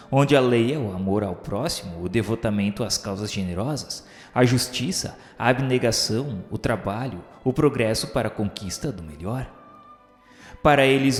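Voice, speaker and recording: A Brazilian man giving a solemn, formal, reverent narration of a scripted radio novel in a declamatory, literary style. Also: mid-range voice. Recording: echoey hall reverb with music. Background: music.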